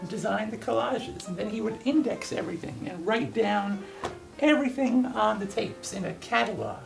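High, creaky-voiced man telling stories. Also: lively intonation, moderate pace, recorded from a distance, poor audio. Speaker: archivist and guide. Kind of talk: enthusiastic storytelling interview. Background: music.

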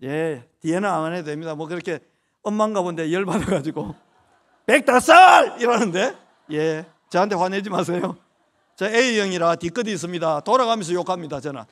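A man in his forties preaches with a Gyeongsang accent in a church service, his voice sitting a little high for a man. He jokes and banters with the children in the pews, then swings back into fervent, loud preaching before dropping to quiet asides. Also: moderate pace. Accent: Gyeongsang Korean. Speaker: pastor. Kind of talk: sermon. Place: church sanctuary during worship.

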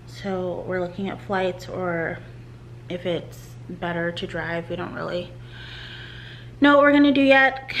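A woman in her thirties chatting casually to camera from her living room, candid and talkative, with soft laughs now and then. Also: medium pitch, a little hiss or hum. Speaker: vlogger. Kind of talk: casual vlog chat. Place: living room at home, seated on a couch. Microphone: camera in front, close framing.

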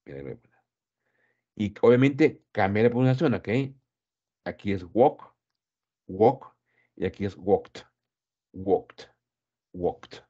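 A man's voice: lowish voice, lively intonation, slow, pauses often, highs cut off. A man teaching English grammar in Spanish, who explains patiently and drills pronunciation by repeating each word several times.

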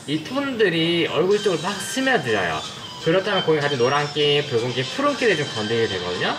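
A man's voice: on the high side, wildly swooping pitch, fast, over music. A young man speaking politely through a face mask as a beauty consultant, explaining things to a customer. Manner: polite customer-service speech. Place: small indoor beauty consultation booth.

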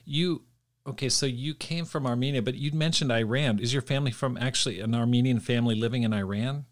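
A man's voice: mid-range voice, fast talker. A man hosting a podcast, asking questions in an enthusiastic, curious way. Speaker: podcast host. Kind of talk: interview questions.

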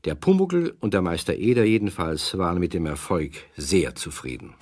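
A man's voice: sits low, very animated, normal speed, a little mellow, a little hiss or hum. A man narrating a scripted children's story as a storyteller.

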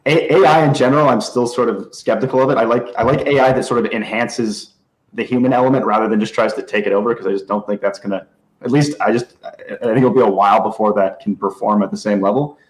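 Low-voiced man, a thoughtful guest. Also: fairly even intonation, fast talker, rough recording. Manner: hesitant, many restarts, thinking aloud. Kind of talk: casual live-stream chat.

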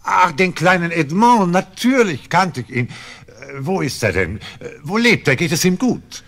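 A drunk grumpy innkeeper, loud and jumpy, voice jumps all over. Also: male voice, fairly low pitch, sing-song, measured pace. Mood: nervous. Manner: boozy, blustering and nervous. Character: drunken middle-aged male tavern keeper, sulky and cowardly.

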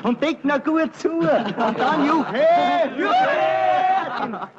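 An actor playing a carefree, mocking youth spirit with a teasing, sing-song manner. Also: male voice, very high voice, animated, drawn-out words, muffled recording, a loud crowd, very noisy, exaggerated voice.

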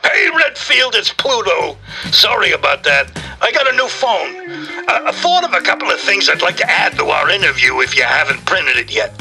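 An actor voicing a grumpy, touchy black cat celebrity with a raspy voice, griping and wisecracking in slangy style in a comic audio interview. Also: male voice, sits high, big pitch swings, normal speed, bright, forceful tone, faint music behind, exaggerated voice. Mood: chummy, jokey. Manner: brash, slangy, sardonic showbiz griping.

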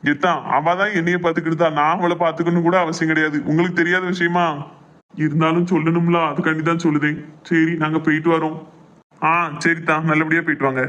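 A man voicing a placating young husband, cartoon, slightly high voice, fast. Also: flat delivery, fairly bright tone, close to an everyday voice. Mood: gentle.

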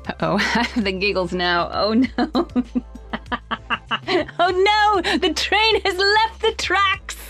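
A woman reads audiobook lines and keeps collapsing into giggles. Her pitch leaps widely and her delivery is slow and unhurried. Soft music plays faintly underneath. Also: big pitch swings. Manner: giggling, breaking up mid-line. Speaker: audiobook narrator. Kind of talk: studio outtakes, reading and laughing.

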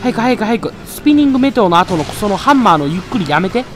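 A man giving excitable live gameplay commentary, loudly taunting and grumbling at the monster he is fighting. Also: high-pitched, quick pace. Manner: excitable, trash-talks the monster with rough taunts. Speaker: let's play commentator. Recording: loud game music behind voice. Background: game music.

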